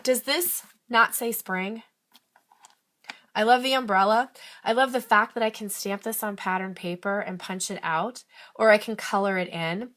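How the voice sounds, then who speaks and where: A middle-aged woman with a slightly raspy voice from a recent illness chats eagerly through a live craft demonstration. She talks at an ordinary pitch, stops and restarts her sentences, and keeps a friendly, easygoing pace. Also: fairly even intonation, moderate pace, a bit bright. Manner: chatty and enthusiastic, with frequent fillers. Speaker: independent craft demonstrator hosting a live stream. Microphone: phone or tablet livestream.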